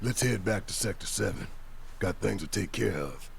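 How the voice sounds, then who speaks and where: Gravelly, brash resistance leader. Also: male voice, fairly low pitch, moderate pace, slight background noise. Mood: resolute. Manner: commanding, emphatic. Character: burly, gruff, brash male resistance leader. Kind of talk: video game voice acting.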